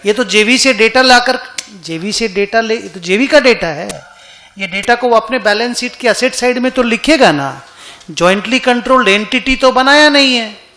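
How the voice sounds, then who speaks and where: A male accounting teacher lectures in a relaxed, conversational way and keeps checking whether his students follow. His voice sits high and comes across bright and forceful. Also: normal speed. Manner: conversational, asks students questions often. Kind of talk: classroom lecture. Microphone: online class recording.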